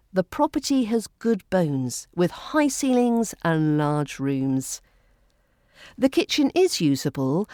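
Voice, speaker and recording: A woman's voice: on the low side, darkish tone, dry recording, studio quality. A woman with a modern British RP accent giving a scripted English lesson, enunciating carefully for learners. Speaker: English pronunciation teacher.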